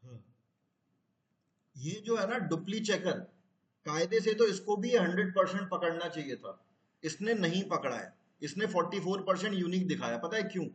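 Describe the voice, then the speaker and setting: ऊँची आवाज़ वाला हिंदी शिक्षक, online class. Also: male voice, high voice, reverberant. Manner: explains step by step, asks the class questions. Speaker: teacher. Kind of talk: live online class.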